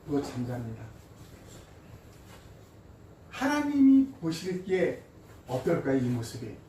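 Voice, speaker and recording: A man preaching a sermon as pastor, with emphatic loud stresses and soft drops. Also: medium pitch, wildly swooping pitch, slow. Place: church sanctuary. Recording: echoey church hall, voice from a distance, faint noise.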